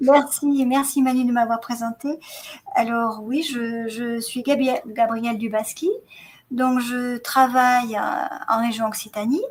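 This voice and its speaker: A woman's high voice at a very slow pace, with ordinary pitch variation. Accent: southern French. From southern France, Aude and Pyrénées-Orientales. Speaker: novelist. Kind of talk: live video panel discussion. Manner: hesitant, many fillers.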